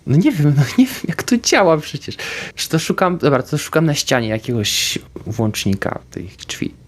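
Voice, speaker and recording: A man playing a tabletop game in character, talking excitedly and swearing in frustrated outbursts. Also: on the high side, moderate pace. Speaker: player. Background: faint background music.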